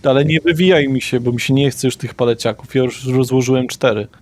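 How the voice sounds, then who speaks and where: A man's voice: mid-range voice, a little fast, a little mellow, natural voice. Brief: a man playing a bored warehouse worker, offhand and grumbling, everyday voice.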